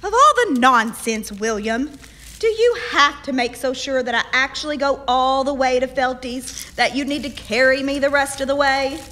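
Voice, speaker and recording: Radio play lead: actress as a strong-willed, proper young frontier woman, high bright voice, formal phrasing. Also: moderate pace, a little hiss or hum. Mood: exasperated. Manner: formal, wordy, insistent. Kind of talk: radio drama acting.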